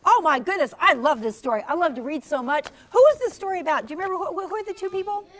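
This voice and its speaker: A woman storyteller talking with young children in an encouraging, animated, teacherly way, asking questions and praising. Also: high voice, rapid-fire.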